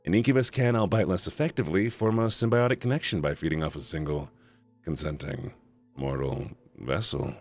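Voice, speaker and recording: A man on a live stream reads a visual novel aloud and reacts, moving between narration and chatty asides to his chat. His low voice holds a steady tone at a brisk pace, with faint music in the background.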